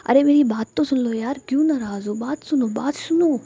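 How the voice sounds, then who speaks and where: A woman's voice: a little fast, slightly rough, dull audio, exaggerated voice. A woman voicing a young woman who keeps pleading with her angry friend, in an emotional, raised voice. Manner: pleading, emotional, slightly higher and louder.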